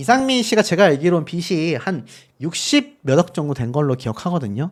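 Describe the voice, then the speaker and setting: Very slow delivery with very wide pitch swings, on a very clean recording with a silent background. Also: man. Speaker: celebrity news commentator. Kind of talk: news commentary monologue.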